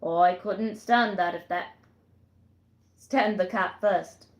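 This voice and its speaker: A woman voicing a jealous male sailor who talks in blunt, loud nautical slang. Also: medium pitch, slow pace. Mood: blustering. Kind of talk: read-aloud storytelling.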